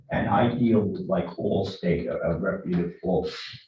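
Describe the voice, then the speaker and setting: Audible room echo surrounds a man's voice. He talks at a moderate pace with fairly even intonation. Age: 70s. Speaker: public commenter at city council. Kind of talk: public comment at council meeting. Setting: city council meeting.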